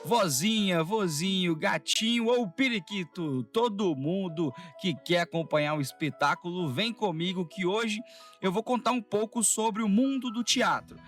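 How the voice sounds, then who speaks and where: High-pitched Brazilian man, ringmaster-style announcing. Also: a little slow, fairly bright tone, distant mic. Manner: showman's announcing delivery, like a ringmaster. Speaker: reporter. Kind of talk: theatrical ringmaster-style presenting. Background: music.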